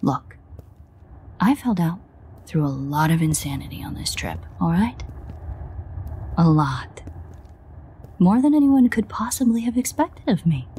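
A woman playing a sardonic, exasperated vampire in an audio roleplay, grumbling and swearing in a husky near-whisper. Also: lowish voice, very animated, a little slow, pauses often, dark tone, exaggerated voice. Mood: weary, grumbling. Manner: sarcastic, profane, grumbling. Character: sardonic, exasperated female vampire, reluctant ally. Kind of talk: audio roleplay addressed to the listener.

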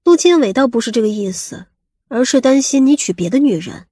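A woman playing a sharp-tongued, coquettish lover in an audiobook, pouting and reproachful. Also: on the high side, animated, a little fast, slightly rough, no echo, studio quality. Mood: wary, reasoning.

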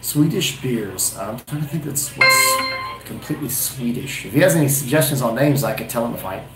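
A man's voice: medium pitch, expressive, normal speed, roomy sound. A man in his forties casually chatting on a live stream, thinking aloud and often restarting his sentences, recorded at table distance in a small wood-paneled room. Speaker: beer reviewer and channel host.

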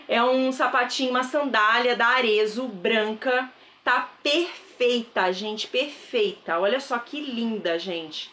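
Brazilian woman in her 30s, chatty and gushing, slightly high voice, faint hiss behind. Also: slow, sharp tone. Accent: Brazilian Portuguese. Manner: chatty, enthusiastic, addresses viewers as "gente". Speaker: thrift vlogger. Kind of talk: casual haul vlog. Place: bedroom with wardrobe, indoors.

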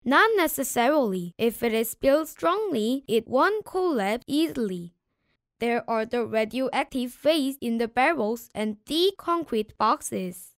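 Woman as a high, animated, confident young boy. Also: measured pace, dry recording, studio quality. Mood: reassuring. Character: confident, teasing elder brother, a young boy. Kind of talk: English audiobook children's storybook acting.

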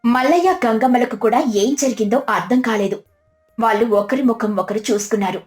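A woman's voice: a little high, fairly quick, a little mellow. A woman reading a scripted moral story as the narrator. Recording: background music under the voice.

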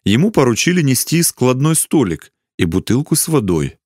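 A man narrating a children's Christian story in a gentle, measured storytelling manner. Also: medium pitch, very animated, no echo, clean studio sound.

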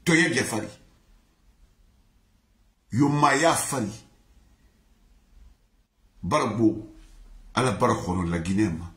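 Male singer, repetitive sing-song chant, unhurried, roomy echo. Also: fairly low pitch, a bit bright. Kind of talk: chanted song in mixed languages. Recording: echoey room.

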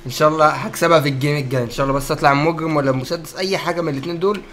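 A young man with an Egyptian Arabic accent doing joking, excitable let's-play commentary and talking to his viewers. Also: a little high, racing, slight background noise. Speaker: gaming YouTuber.

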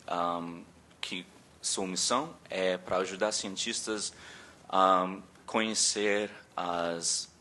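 A man in his thirties with an American accent gives a talk from a conference table. His voice sits low but carries a bright, forward edge. He stops often to search for words and makes light of his own slips. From born in Rio, raised in Chicago. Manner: halting, searching for words, self-deprecating. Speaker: conference speaker. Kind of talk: conference presentation. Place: conference hall. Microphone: table microphone.

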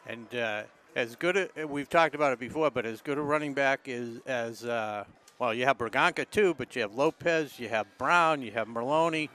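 A man giving color commentary on a local TV high school football broadcast, conversational and analytical. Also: moderate pace, hardly any pauses, pushed and bright. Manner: analytical, conversational, fills in names and details.

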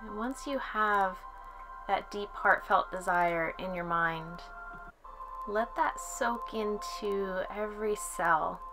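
A woman leading a guided relaxation as a yoga instructor, speaking in a calm, soothing way with long pauses. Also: medium pitch. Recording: soft music under the voice. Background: music.

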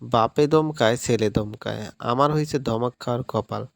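A man's voice: mid-range voice, normal speed, gravelly, dry recording, clean studio sound, close to an everyday voice. A man voicing a timid, fearful middle-aged housemaid who speaks in rustic village speech. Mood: tearful.

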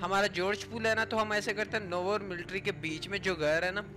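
Over mobile game footage with background music, a man narrates gameplay casually and explains things, recounting what passed between players. His voice is high-pitched and steady, a little fast. He's a gaming YouTuber.

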